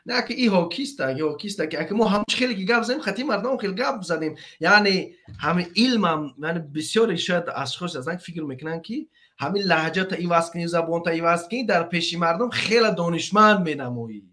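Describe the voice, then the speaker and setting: A man with a Tajik accent calling in to a talk show, speaking hesitantly and pausing to search for words. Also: sits high, animated, sharp tone. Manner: hesitant, with fillers and restarts. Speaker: caller.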